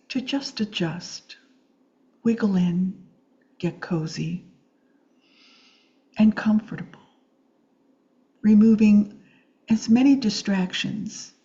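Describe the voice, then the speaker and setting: A woman meditation teacher guiding a Yoga Nidra practice in a gentle, soothing, unhurried way with long pauses. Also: mid-range voice, lo-fi sound.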